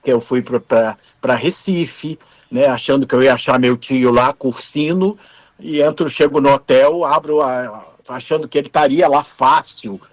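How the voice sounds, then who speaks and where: A man in his fifties from Brazil, who once operated TV cameras, relates anecdotes in an interview and dramatizes the exchanges. His pitch is medium and his speed normal.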